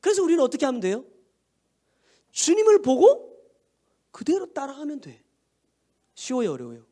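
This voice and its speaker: A man's voice: very high voice, wildly swooping pitch, normal speed, dark tone. A male pastor preaching a sermon in a conversational way, asking rhetorical questions and answering them himself.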